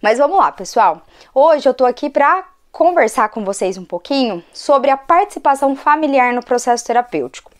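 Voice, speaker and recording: Hoarse woman, chatty teacher. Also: high voice, lively intonation, a little fast. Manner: conversational, frequent tag questions. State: hoarse from a cold. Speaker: occupational therapist and channel host. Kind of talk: educational talk to camera.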